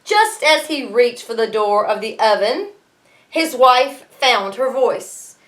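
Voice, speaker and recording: Animated high-voiced woman teacher reading aloud. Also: slow pace. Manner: expressive, explanatory. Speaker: schoolteacher reading to students. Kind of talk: storybook read-aloud with explanatory asides.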